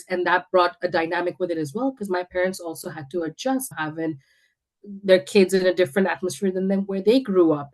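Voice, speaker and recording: Woman from india, guest on a talk show, lowish voice, confident and emphatic, restarts a lot. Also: low-quality recording. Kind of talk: casual interview chat.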